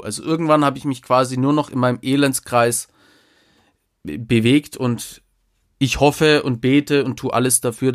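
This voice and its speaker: A man in casual conversation, speaking haltingly and reflectively about his past. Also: medium pitch. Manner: halting, with many fillers and restarts, reflective. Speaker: former drug user sharing experience.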